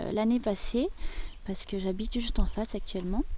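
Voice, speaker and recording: A soft-spoken woman's fairly high voice with ordinary pitch variation, audible room echo and noticeable background noise. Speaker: YouTuber, permaculture gardener. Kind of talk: casual vlog talk to camera. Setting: outdoors in a garden. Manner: hesitant, many fillers.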